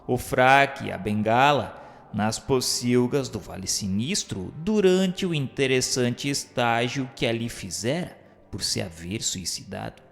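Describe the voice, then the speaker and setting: A man's voice: medium pitch, animated, measured pace, vocal fry. An actor playing a sardonic dead man who recounts his afterlife in theatrical, literary radio novel style. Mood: wry, reflective. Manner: theatrical, mocking, literary diction. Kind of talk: dramatized first-person radio novel narration. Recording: long hall reverb, music underneath.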